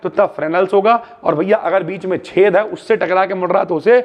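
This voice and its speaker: A man's voice: high voice, brisk, dull audio. A male physics teacher giving an exam-prep lecture, chatty and brotherly, checking in with students and explaining through homely everyday examples. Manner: chatty, calls students bhai and bhaiya, keeps asking ठीक है.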